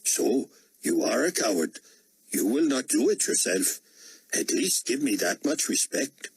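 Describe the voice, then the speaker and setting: A man's voice: medium pitch, big pitch swings, unhurried, vocal fry, breathy edge, no room sound, voice pushed up, exaggerated voice, poor audio. A man voicing an anguished, outspoken Indian cabinet member with an Indian accent, pleading and defiant, in an audiobook thriller. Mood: bitter defiance.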